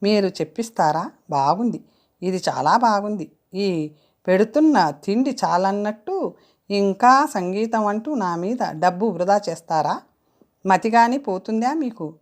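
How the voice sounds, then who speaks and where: A proud young woman, withdrawn and reluctant, read by a woman storyteller. She speaks in a subdued, hesitant way with a middle-range pitch. This is a storybook audiobook read. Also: expressive, unhurried, lightly acted. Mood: protesting. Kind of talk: audiobook character reading.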